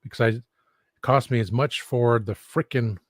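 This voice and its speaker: A male streamer chatting casually in a meandering, off-the-cuff way. His voice sits at an ordinary middle pitch. The recording is dry, with very little room sound. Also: moderate pace, breathy edge, dry recording. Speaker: streamer, host. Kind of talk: rambling casual livestream chat.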